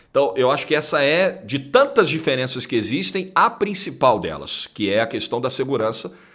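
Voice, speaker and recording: An animated voice in a Rio de Janeiro accent, with vocal fry, a moderate pace and very wide pitch swings. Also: man, fairly high pitch for a man. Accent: carioca. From Rio de Janeiro, Brazil. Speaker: sports commentator. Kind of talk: casual Q&A monologue.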